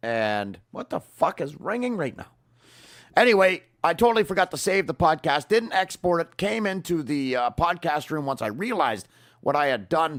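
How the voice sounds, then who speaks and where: Loud and at a moderate pace, a man speaks in a fairly high pitch with very wide pitch swings on a very clean recording with a silent background. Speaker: podcast host. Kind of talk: solo podcast monologue. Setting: home podcast room.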